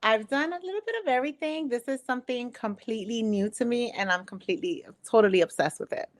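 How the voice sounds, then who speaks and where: Earnest woman co-host, fairly high voice. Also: fast talker. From Philadelphia. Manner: earnest, explaining at length. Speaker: co-host, travel agent. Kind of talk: casual chat.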